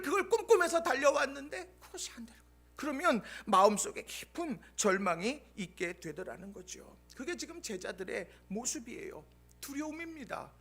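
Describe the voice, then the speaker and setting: A male pastor delivering a sermon in a church, swinging between loud proclamations and hushed, quiet asides. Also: extremely high pitch. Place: church sanctuary.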